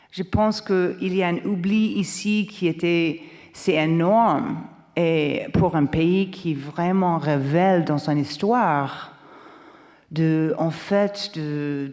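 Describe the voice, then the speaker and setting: A journalist from Canada speaking on a panel, halting and searching for words with many restarts. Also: female voice, mid-range voice, a little mellow. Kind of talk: round-table remarks. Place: lecture hall. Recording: long hall reverb.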